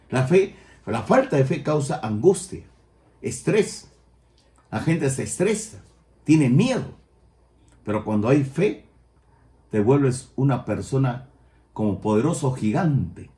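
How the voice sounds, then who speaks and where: An older man with a Peruvian Spanish accent, preaching a sermon as pastor and rising loud on his key points. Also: medium pitch, reverberant. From Peru.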